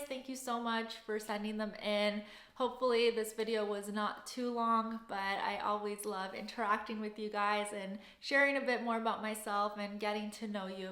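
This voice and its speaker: A woman's voice: medium pitch, a bit bright. Upbeat young woman in roomy echo. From Canada. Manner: upbeat, effusive, gushing thanks. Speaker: vlogger and job-search coach. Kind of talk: casual Q&A vlog.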